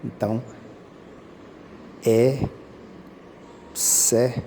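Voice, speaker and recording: A man's voice: mid-range voice, little pitch movement, very slow, warm tone, a little hiss or hum. A man explaining Portuguese grammar rules step by step as a teacher, patiently repeating key points and speaking directly to viewers. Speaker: teacher commenting on exam questions.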